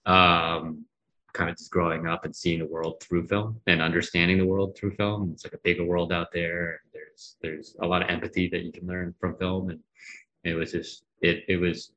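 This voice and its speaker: Deep-voiced, thoughtful man. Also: little pitch movement, normal speed, bright, forceful tone, dull audio. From Massachusetts, US. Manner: thoughtful, hesitant, many fillers. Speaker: guest. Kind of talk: conversational interview.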